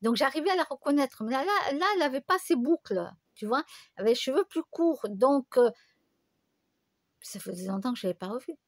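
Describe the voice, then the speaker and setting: Rambling, high-voiced woman vlogger. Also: lively intonation, fairly quick, no room sound, studio quality. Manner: rambling, chatty storytelling with many fillers and restarts. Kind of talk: casual chat to camera.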